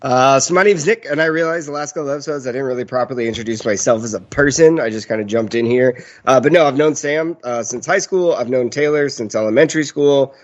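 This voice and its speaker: A man's voice: mid-range voice, fast, hardly any pauses, muffled recording. A man in his thirties chatting casually as a podcast player, rambling and joking as he goes. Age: 30s. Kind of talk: casual chat.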